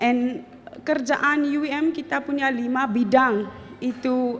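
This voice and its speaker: Fairly slow, ordinarily varied pitch from a woman amid noticeable background noise. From South Africa. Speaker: church mission fundraising officer. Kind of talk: church announcement / thank-you speech. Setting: church service. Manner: halting, mixing English and Indonesian.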